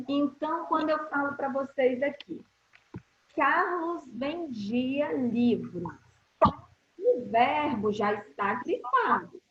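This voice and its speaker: A Brazilian woman teaching grammar to schoolchildren in an online class. Her fairly high voice moves at a very slow, deliberate pace, and she keeps checking whether the class follows. The sound is roomy and a little dull, as over a video call. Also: a little hiss or hum. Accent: Brazilian Portuguese. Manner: slow, deliberate explaining with frequent check-in questions.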